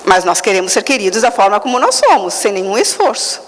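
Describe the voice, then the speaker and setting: Lively woman giving a spiritual talk. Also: medium pitch, brisk, long reverb tail, slight background noise. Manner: animated storytelling with lively quoted asides. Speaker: speaker at a Spiritist center.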